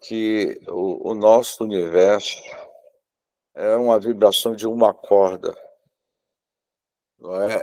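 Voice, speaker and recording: Speaking at a very slow pace, a man has a fairly low pitch and a dark, mellow tone. His intonation is monotone and flat. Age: 60s. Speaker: spiritist study group member. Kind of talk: study group discussion. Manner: halting.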